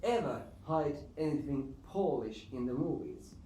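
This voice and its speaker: A man's voice: a little high, expressive, measured pace, dark tone. A man moderating a Q&A, asking the guest a question and checking his facts as he goes. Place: cinema hall at a live screening. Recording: roomy hall, distant mic, faint noise.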